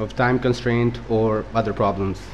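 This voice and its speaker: A man speaks with fairly even intonation. Noticeable background noise runs under the recording. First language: not English. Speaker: academic speaker. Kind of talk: lecture. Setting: seminar room with audience. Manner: formal.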